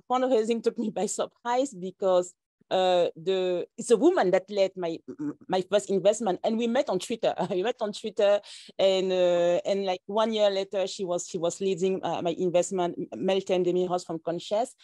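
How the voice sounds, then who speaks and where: A woman's voice: mid-range voice, moderate pace, warm tone, dry recording. Hesitant woman founder on a video call. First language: French is not her first language. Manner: hesitant, many fillers and restarts. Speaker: startup founder. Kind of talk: panel discussion on a video call. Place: plain-walled room indoors.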